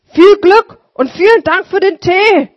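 A woman voicing a humble, grateful poor old male street sweeper with a raspy voice in a storybook reading. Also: very high-pitched, a little slow, no echo, pitched above the performer's own voice. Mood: curious. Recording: dull lo-fi recording.

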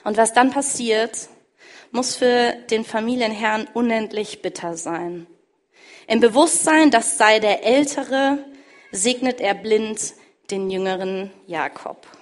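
A woman preaching, retelling a scripture story emphatically, swinging between loud stress and hushed endings. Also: fairly high pitch, slow.

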